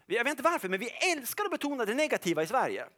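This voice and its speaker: A middle-aged man preaching a sermon in an animated, jokey way, often checking that his listeners follow along. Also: extremely high pitch. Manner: animated and jokey, asks the audience "are you with me?".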